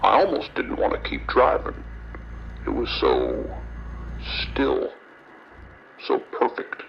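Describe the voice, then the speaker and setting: A man playing an eerie, morbidly fascinated trucker in a horror audio drama, savoring each phrase with slow, unhinged calm over a muffled CB radio. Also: mid-range voice, creaky, full character voice. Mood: morbidly entranced. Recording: muffled CB radio with faint noise.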